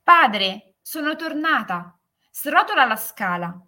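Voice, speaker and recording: Young girl longing to dance, put on by a woman narrator, pleading, slow, storybook. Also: medium pitch, fairly bright tone.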